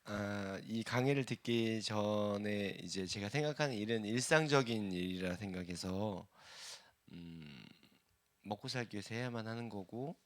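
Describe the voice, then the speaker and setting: A middle-aged church elder sharing his thoughts in a class, speaking with pauses and some hesitation. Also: fairly low pitch.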